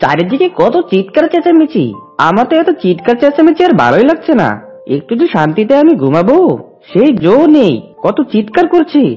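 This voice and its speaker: Lady doing grumbly boastful cartoon fox, high n husky, pitch all over, muffled audio. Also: sing-song, brisk, a little mellow, soft background music. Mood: irritated. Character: grumbling, boastful male fox, restless dreamer. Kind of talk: cartoon voice acting.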